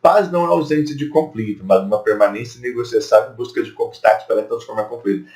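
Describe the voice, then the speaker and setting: A man's voice: mid-range voice, quick pace, darkish tone. A man with a Brazilian Portuguese accent teaching an exam-prep lesson in a chatty way, often checking in with rhetorical questions.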